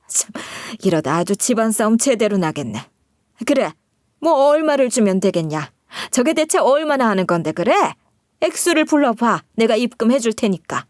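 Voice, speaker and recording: A woman's voice: a little high, a little mellow, no echo, studio quality, lightly acted. A woman voicing a bossy, indignant older mother-in-law who talks down reproachfully in a story read aloud. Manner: reproachful, condescending.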